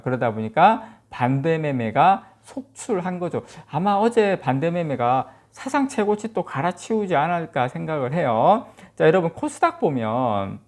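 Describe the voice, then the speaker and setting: Male stock channel host, very expressive pitch, chatty explainer with plenty of filler. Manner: animated explainer, counts points off, heavy fillers. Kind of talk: casual market commentary to viewers.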